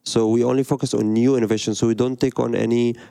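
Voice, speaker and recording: A man's voice: medium pitch, little pitch movement, fast, gravelly, dark tone, dry recording. A man from Egypt in his thirties, a design studio director answering interview questions in a hesitant way, with many fillers and restarts.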